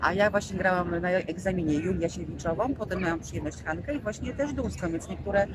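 A woman's voice: fairly low pitch, fairly quick. A woman, a stage actress, talking casually and chattily in an interview, with frequent filler phrases. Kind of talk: casual spontaneous interview talk. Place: outdoors in a town street. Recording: noisy outdoor recording with street ambience.

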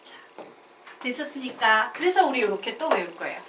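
A woman math teacher lectures in a classroom, her fairly high voice rising and falling with lively inflection as she has students chant definitions back. She sits at a distance from the mic, so the sound is roomy and echoing, with clear background noise. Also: fairly quick. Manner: lively, drills students with call-and-response chanting; mixes casual and polite speech. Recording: echoey classroom, far from mic, noisy.

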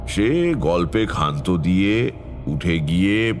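An actor playing a brooding tantric storyteller, narrating an eerie village tale in a measured, dramatic way. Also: male voice, low-pitched, lively intonation, faint music behind. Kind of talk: dramatic first-person horror narration.

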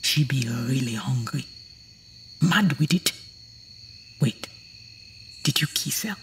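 An actress playing a blunt, superstitious old island woman with a gravelly, whispery voice in an audio horror drama. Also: a bass voice, lively intonation, slow pace, slight background noise, full character voice. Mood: grave, ominous. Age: older.

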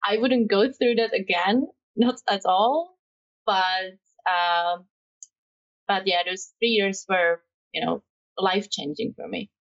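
A woman's voice: mid-range voice, slow. Czech-accented young woman, distant dull mic. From Czech Republic. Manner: chatty, laughs often, many fillers. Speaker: guest, matte painter. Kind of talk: casual podcast interview.

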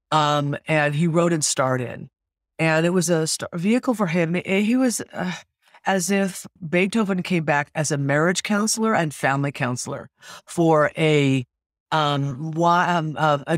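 A woman in her sixties from California, a stage actress and singer, chatting as a podcast guest and telling lively stories full of restarts and asides. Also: low voice, dry recording, clean studio sound. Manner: animated storyteller, quick restarts and asides. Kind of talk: casual interview chat.

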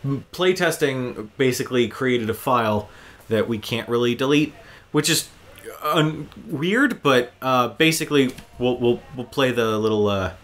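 A man's voice: medium pitch, lively intonation, measured pace, fairly bright tone. Informal man chatting as gaming host. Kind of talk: casual gameplay commentary.

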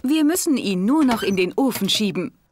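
A woman's voice: medium pitch, expressive, moderate pace, natural voice. A woman voicing a kind, encouraging mother pig in a cartoon dub. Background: music.

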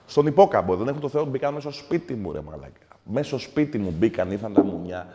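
Man doing ranting taverna owner, fairly low voice, foul-mouthed, echoing hall. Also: very animated, heavy background noise. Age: 40s. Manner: foul-mouthed, ranting, swings from mumbling to shouting. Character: crude middle-aged male taverna owner, hot-headed. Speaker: comedy character. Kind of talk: comic monologue. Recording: long hall reverb.

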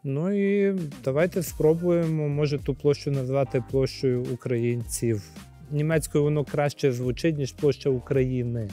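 A man's voice: mid-range voice, normal speed, faint music behind. A man in his forties, a priest from Ukraine, answering interview questions thoughtfully with hesitant fillers and recorded on a lapel mic. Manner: thoughtful, hesitant fillers, lively when acting out scenes. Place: library studio, then outdoor courtyard.

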